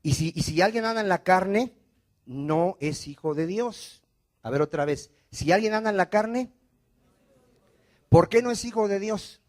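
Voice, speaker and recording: A man's voice: high voice, lively intonation, measured pace, long pauses. A man preaching a sermon as pastor, asking the congregation questions and having them repeat after him. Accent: Mexican Spanish. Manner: call-and-response preaching, frequent rhetorical questions.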